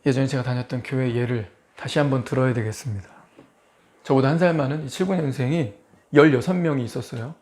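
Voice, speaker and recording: A man in his forties preaching an expository sermon as pastor, lively and full of rhetorical questions to the congregation. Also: mid-range voice, fast, a little hiss or hum. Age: 40s.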